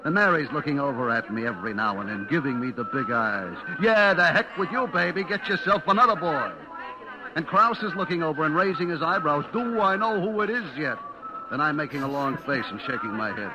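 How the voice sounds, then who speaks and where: An actor playing a nervous young American market clerk in an old radio suspense play, slangy and confiding, stammering when cornered. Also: male voice, on the high side, background noise, lightly acted. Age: young adult. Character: nervous young market clerk having a secret affair, telling his story. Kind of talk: 1940s-50s American radio suspense acting.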